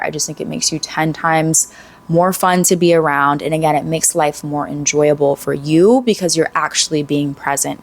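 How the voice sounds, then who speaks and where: A woman in her late twenties giving casual, earnest advice to camera, her voice going after long talking, with frequent "like" and "right?". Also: deep voice. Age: late 20s. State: losing her voice. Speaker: lifestyle vlogger.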